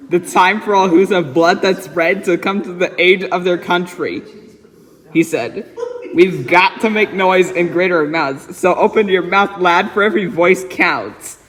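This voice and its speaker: A man's voice: high-pitched, a bit bright. A man doing a dramatic, giggly read-aloud of a rhyming children's picture book. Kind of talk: dramatic storybook reading with frequent giggling. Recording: echoey reverberant room sound.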